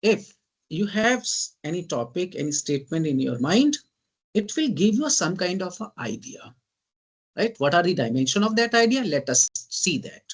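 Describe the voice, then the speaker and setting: A man with an Indian English accent gives an online teaching lecture in a fairly high voice. He rattles off lists of terms in emphatic bursts. He keeps checking in with "right?" and often says "ladies and gentlemen.". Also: big pitch swings, normal speed, breathy edge. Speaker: guest lecturer.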